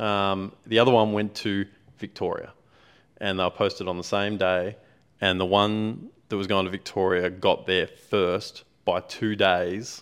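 On a very clean recording with a silent background, a man with an Australian accent speaks fairly slowly in a fairly low pitch, his intonation monotone and flat. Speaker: podcast host. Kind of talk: casual chat.

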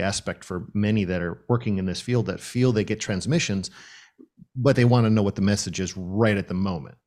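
With a plain, everyday voice, a man speaks at a fairly quick pace in a fairly low pitch with ordinary pitch variation, on a very clean recording with a silent background.

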